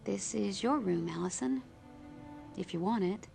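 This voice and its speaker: An actress voicing a calm adult heroine who leads a newcomer on a tour of her team's home in a video game. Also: mid-range voice, a little slow, gravelly, faint music behind. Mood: welcoming. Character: calm adult woman mutant team guide. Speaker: game character giving a house tour.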